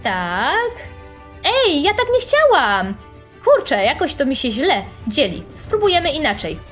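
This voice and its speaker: A young woman commentating her own online game playthrough, chatty and excitable, talking straight to her viewers and making playful sound effects. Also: high-pitched, measured pace, soft background music. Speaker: gaming channel host. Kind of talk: playful let's-play commentary.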